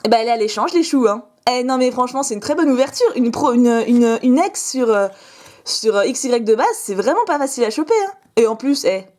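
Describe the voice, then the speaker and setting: A woman's voice: a little high, animated, brisk, darkish tone. A young woman chatting casually to camera while opening trading cards, bubbly and playful, laughing often with a put-on southern French lilt. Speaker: card-opening vlogger.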